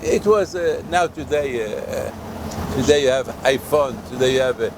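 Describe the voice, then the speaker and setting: An older man from Morocco, a rabbi giving a sermon outdoors in a halting way, with many fillers and restarts. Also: medium pitch, noisy background. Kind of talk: sermon at a holy site.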